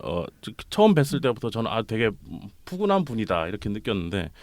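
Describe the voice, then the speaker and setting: A man's voice: lowish voice, very animated, brisk, darkish tone, dry recording. Playful male host with a cold. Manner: playful, laughs often, teasing. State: has a cold, voice slightly off. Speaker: podcast host. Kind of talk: casual interview chat.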